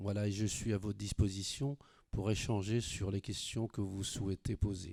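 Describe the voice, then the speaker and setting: A man's dark, mellow voice at a fairly low pitch and moderate pace, fairly even in intonation, in a very clean recording with a silent background. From Algeria. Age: 60s. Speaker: association member. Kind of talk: panel introduction. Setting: school panel with audience.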